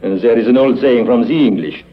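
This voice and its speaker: A man's voice: mid-range voice, fairly quick, lightly acted. A man playing a suave police inspector. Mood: courteous. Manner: formal, courteous, knowing. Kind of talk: 1950s radio drama acting. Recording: dull old 1950s radio broadcast.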